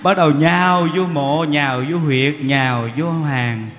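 Animated Southern Vietnamese monk, echoey hall. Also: male voice, a little high, takes it slowly, soft background music. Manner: animated, teasing, acts out characters. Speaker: monk giving a dharma talk. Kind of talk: humorous sermon with storytelling. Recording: echoey hall, faint background noise.

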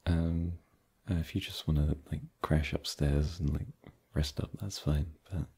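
A man playing a husky teasing boyfriend. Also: extremely low pitch, steady tone, a little slow, darkish tone, pitched below the performer's own voice, full character voice. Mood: relaxed. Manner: hesitant, filler-heavy, teasing. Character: easygoing young adult boyfriend hosting friends. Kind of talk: ASMR roleplay.

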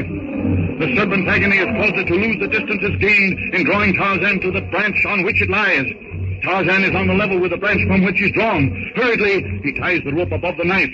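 Through the heavy noise and muffled sound of an early thirties radio recording comes a man narrating an adventure serial. His voice is high-pitched, and his delivery is theatrical and full of suspense. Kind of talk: 1930s radio dramatic narration. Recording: noisy, muffled early 1930s radio broadcast. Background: heavy old-recording noise.

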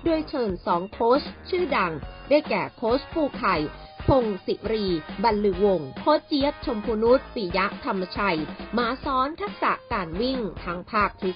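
A woman reading a scripted news voice-over in a crisp, formal way. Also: on the high side, big pitch swings, a little slow. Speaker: news narrator. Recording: slightly dull voice-over with music bed.

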